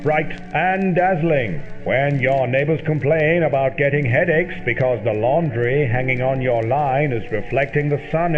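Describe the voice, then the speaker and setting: A man playing a chirpy, polished salesman announcer in an old-time radio commercial style. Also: on the high side. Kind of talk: vintage radio advertising pitch. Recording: tinny band-limited old-radio sound. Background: music.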